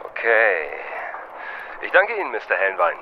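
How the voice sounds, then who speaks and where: An actor playing a brisk, wry contact man on a phone call in a German horror audio drama. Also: lowish voice, huge pitch swings. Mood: alert, curious. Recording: dull phone call, faint noise.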